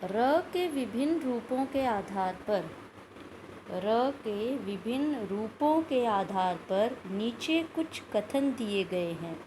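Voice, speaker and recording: Woman schoolteacher, slow and patient, fairly high voice, repeats sounds for pupils over faint hiss. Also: expressive. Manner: explains slowly, repeating words and sounds aloud; asks questions of pupils, adds "ठीक है" often. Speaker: school Hindi teacher. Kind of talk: recorded video lesson.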